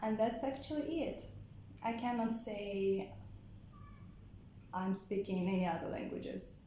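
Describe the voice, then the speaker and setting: Amid noticeable background noise and audible room echo, a woman with a Russian accent speaks at a fairly slow pace with long, frequent pauses. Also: medium pitch for a woman, ordinary pitch variation. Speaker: English teacher. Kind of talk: interview. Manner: hesitant, many fillers.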